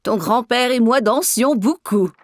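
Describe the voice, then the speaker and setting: A woman voicing a kind, nostalgic grandmother in a children's cartoon, gentle and encouraging. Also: a little high, measured pace, close to an everyday voice.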